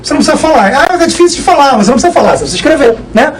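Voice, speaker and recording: A man teaching a live exam-prep physics lesson, energetic, joking and repeating himself. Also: very high-pitched, racing, a little hiss or hum, poor audio.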